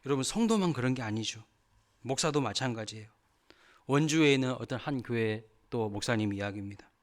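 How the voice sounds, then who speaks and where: A man's voice: mid-range voice, expressive, fairly quick. A male pastor giving a sermon, telling a story and asking the congregation questions.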